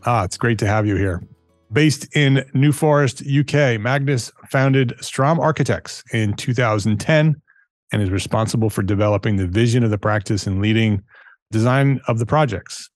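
A man's voice: medium pitch, moderate pace, no echo, soft background music. A man hosting a podcast, introducing his guest and asking interview questions. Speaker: podcast host. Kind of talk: podcast interview and promo reads.

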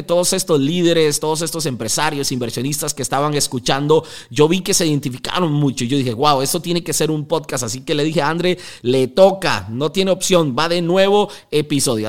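Upbeat Costa Rican man hosting a podcast. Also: a little high. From Costa Rica. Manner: energetic, restless, laughs at his own jokes. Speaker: podcast host. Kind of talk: casual podcast chat.

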